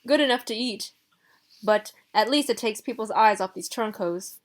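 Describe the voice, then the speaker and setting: A woman's voice: on the high side, moderate pace, lightly acted. A woman voicing a wry, teasing young man. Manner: sardonic.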